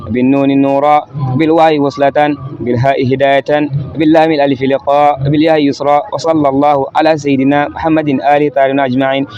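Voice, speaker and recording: Fast, flat-toned man reciting supplications. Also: mid-range voice. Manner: formulaic rhythmic recitation of parallel phrases. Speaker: prayer leader. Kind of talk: recited Islamic supplication in litany form. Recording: dull lo-fi recording.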